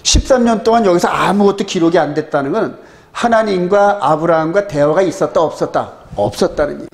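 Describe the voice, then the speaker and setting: A man preaching a sermon as pastor of his church, driving his points home with rhetorical questions to the congregation. His voice sits a little higher than most men's, and he leans hard on each point. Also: fast.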